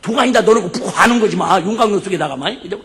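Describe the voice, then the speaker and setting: A male pastor preaching a sermon and joking in call-and-response with his congregation, sometimes breaking into shouts. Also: high voice, rapid-fire. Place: church sanctuary. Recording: echoey church hall.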